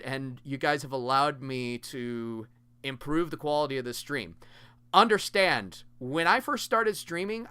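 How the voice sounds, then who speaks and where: A man's voice: medium pitch, sharp tone, clear, resonant tone, no echo. A man hosting a livestream, talking casually and earnestly as he thanks viewers. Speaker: livestream host.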